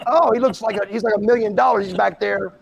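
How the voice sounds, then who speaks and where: A man's voice: sits high, fast, vocal fry, crowd noise. A middle-aged man hosting a podcast, telling stories in casual chat and acting out quotes. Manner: animated storyteller, acts out quotes. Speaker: podcast host.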